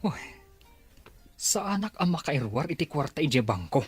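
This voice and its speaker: A woman's voice: sits low, big pitch swings, a little slow, husky, faint music behind, heavily acted. A woman playing a defensive company employee in an Ilocano audio drama. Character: defensive company employee accused over a bank account.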